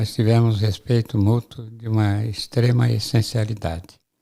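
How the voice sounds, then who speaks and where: With fairly even intonation, a man talks in a fairly low, somewhat breathy voice with a dark, mellow tone. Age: 80s+. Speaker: pediatrician and former city councillor. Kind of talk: podcast interview.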